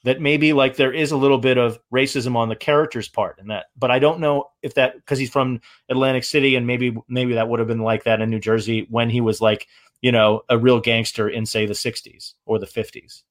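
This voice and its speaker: Halting man in casual film talk. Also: mid-range voice, fairly even intonation. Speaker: film discussion host. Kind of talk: casual film commentary chat.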